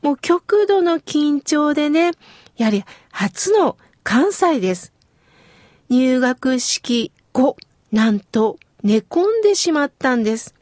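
A middle-aged woman from Kitakyushu giving gentle, slow, explanatory advice in a scripted talk. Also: high-pitched, big pitch swings, no room sound, studio quality. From Kitakyushu, Japan.

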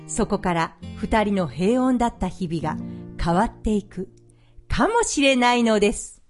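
A woman's voice: mid-range voice, very animated, moderate pace. A woman reading a scripted story narration. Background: guitar music.

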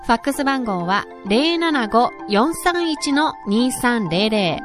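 A high-voiced woman on a radio show who speaks politely and reads out notices clearly. Music plays under her voice. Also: sing-song, slow. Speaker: radio announcer. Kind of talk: radio chat and announcements. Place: radio studio.

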